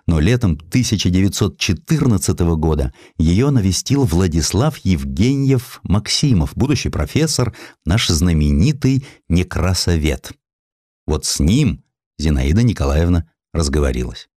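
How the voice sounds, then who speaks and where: A man's voice: low voice, big pitch swings, moderate pace, dark tone, no echo, studio quality. A man narrating a historical audiobook in a dramatic, theatrical storytelling manner.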